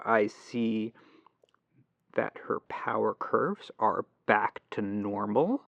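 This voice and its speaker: A helpful male tech support agent , acted by a man, talks softly and politely in an ASMR phone roleplay. He is very unhurried, musing aloud with pauses, and his mid-pitched voice has a creaky edge. The sound is a dull, lo-fi telephone line. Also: no echo. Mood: mildly exasperated. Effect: lo-fi telephone filter.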